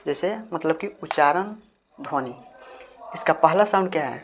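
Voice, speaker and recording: Lady teacher, pretty low voice, repeats stuff and keeps quizzing you. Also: animated, normal speed, background noise. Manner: repetitive, keeps asking the viewer questions. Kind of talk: classroom-style grammar lesson.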